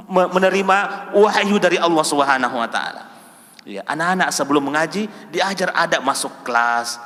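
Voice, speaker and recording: A male preacher giving a study sermon in a mosque, swinging from raised emphatic calls to soft, low asides. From Indonesia. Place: large mosque hall. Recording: long hall reverb.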